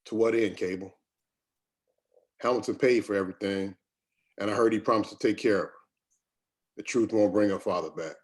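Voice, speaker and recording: A man's voice: on the low side, normal speed, long pauses, natural voice. A man playing a weary, defensive company doctor, bitter and resigned, in a screenplay table read.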